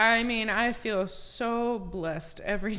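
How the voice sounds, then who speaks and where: A woman speaks with an American accent and a fairly high pitch. Some room echo can be heard. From Los Angeles, US. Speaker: entrepreneur and coach. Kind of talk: podcast interview. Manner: animated.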